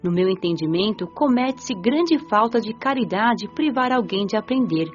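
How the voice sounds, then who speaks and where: A woman's voice: medium pitch, animated, normal speed, lightly acted. A Brazilian woman playing a compassionate young female spirit, narrating an audiobook in the first person in an earnest, reflective way. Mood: earnest, resolute. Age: young adult. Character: Patrícia, reflective, compassionate nineteen-year-old female spirit. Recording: dull lo-fi audio with music behind. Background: music.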